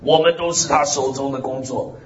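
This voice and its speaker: A man preaching a sermon in an animated way, drawing out key phrases and punctuating them with amens and hallelujahs. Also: moderate pace. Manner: swings pitch widely, drawls key phrases. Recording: slightly dull recording with faint hiss.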